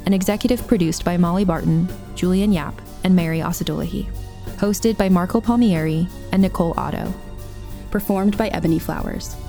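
A woman's voice: fairly low pitch, fairly quick, creaky, warm tone. A woman announcer reading scripted podcast credits. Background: music.

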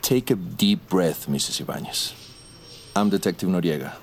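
Actor as steady middle-aged detective, very low voice, measured and soothing. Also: male voice, a little hiss or hum. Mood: calm. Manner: calm, measured, reassuring. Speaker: police detective.

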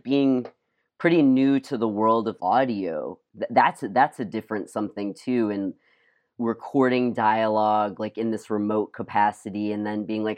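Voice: mid-range voice, darkish tone. Casual American actor chatting, mid-range voice. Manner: hesitant, filler-heavy, youthful enthusiasm. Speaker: actor being interviewed. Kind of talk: casual interview chat.

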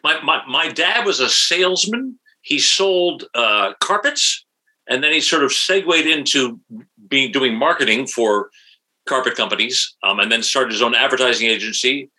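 A man's voice: mid-range voice, lively intonation, normal speed, sharp tone, poor audio. A man in his sixties from New Jersey, a guest on an interview podcast, talking casually with many fillers and restarts. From New Jersey, USA. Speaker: podcast guest, actor and author.

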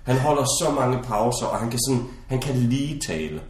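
A man chatting casually as a podcast co-host, a lively storyteller. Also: medium pitch, far from the mic, a little hiss or hum. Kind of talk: casual chat. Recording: echoey room.

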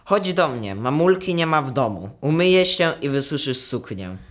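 A man's voice: fairly high pitch, big pitch swings, normal speed, a bit bright. A young male performer playing a naive, earnest boy in a radio play. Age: child or teenager.

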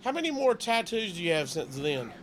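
A man's voice: high voice, big pitch swings, brisk. A man co-hosting casual comedic banter in a playful, joking way, with some background noise. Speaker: co-host.

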